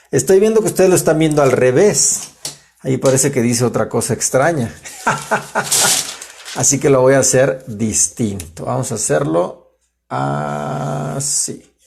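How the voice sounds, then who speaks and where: A Mexican man explaining a grammar rule in an informal livestream lesson, animated and chatty, breaking off for asides to his viewers. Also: medium pitch, takes it slowly, gravelly, long pauses, slight background noise. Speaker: writer giving a live grammar talk.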